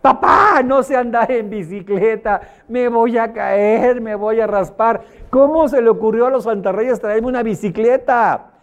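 A man's voice: very high-pitched, a little slow, muffled recording, pitched above the performer's own voice. A man voicing a scared, self-pitying little boy who cries and whines. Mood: whining.

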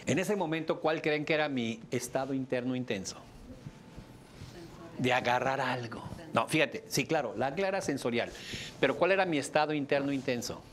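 Mexican instructor, middle-aged man, joking and animated classroom lecture, mid-pitched voice. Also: normal speed, a little hiss or hum. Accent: Mexican Spanish. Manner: joking, animated, bursts into high exclamations.

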